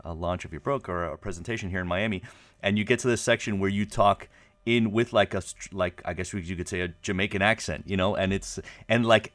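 A man's voice: sits low, fairly bright tone. A man hosting an interview, asking loose, rambling questions full of fillers. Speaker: interview host. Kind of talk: casual interview chat.

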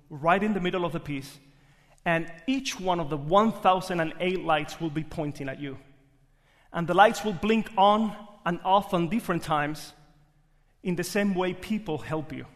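Cuban accent guy, slightly high voice, telling his story live in a big echoey theater. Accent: Cuban Spanish. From Cuba. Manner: earnest, shifts between soft reflection and bursts of excitement. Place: theater stage. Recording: live theater with hall reverb.

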